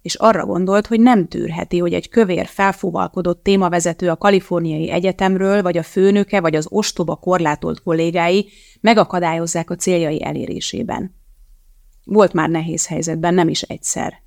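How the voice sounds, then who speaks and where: An audiobook narrator tells the story in a measured, even reading voice. The tone is gravelly and it sits close to the mic in a dry, dead space. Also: mid-range voice, no echo. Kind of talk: scripted narration.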